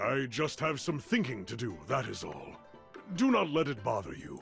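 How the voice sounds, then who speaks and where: A man performs a put-on character voice, fairly high in pitch, with very wide pitch swings and big swings in loudness. He keeps a moderate pace over clear music in the background. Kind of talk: formal, archaic speech. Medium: game stream. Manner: slow, solemn, formal.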